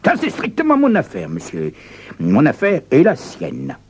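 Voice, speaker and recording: A man voicing a prim, haughty gentleman who speaks in a formal, smugly calm way. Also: medium pitch, a little slow, creaky, slightly rough, pitched above the performer's own voice, full character voice. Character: prim, haughty gentleman carrying a ticking box.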